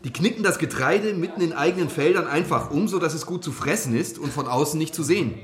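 An actor playing an environmental activist who lectures youth campers, explaining things in a wry, opinionated way. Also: male voice, on the high side, expressive, fast, roomy sound, natural voice. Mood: critical, insistent. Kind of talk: radio crime drama, lecture to a group.

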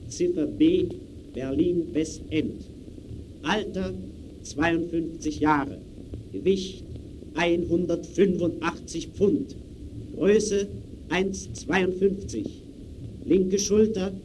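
An actor playing an impersonal official who declaims a case file in clipped phrases, in 1920s radio play style. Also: male voice, fairly high pitch, a little mellow. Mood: clinical. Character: clinical male official reading out a case file. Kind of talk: 1920s German radio play, staccato report. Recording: noisy early radio recording.

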